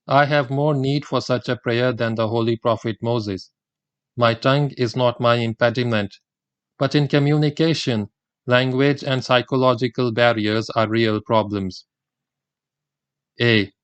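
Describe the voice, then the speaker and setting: A man narrating an audiobook in a measured, even reading voice of middling pitch. He recites scripture lines quickly. The sound is dry and close, with no room around it. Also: smooth, no echo. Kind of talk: scripted narration of a religious book.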